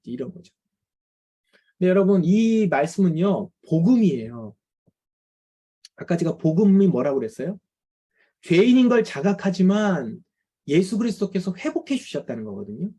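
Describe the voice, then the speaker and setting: Pastor, male, middle-aged; mellow, husky voice; casual lecture-sermon that slips into acted quotes. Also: high-pitched, big pitch swings, moderate pace, long pauses. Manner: conversational, acts out quoted complaints of tired parents. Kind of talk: lecture-style sermon to parents.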